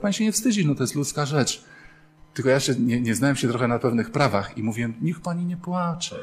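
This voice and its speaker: A man preaching as a priest, telling humorous stories with animation and acting out the voices of the people in them. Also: mid-range voice. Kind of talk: sermon.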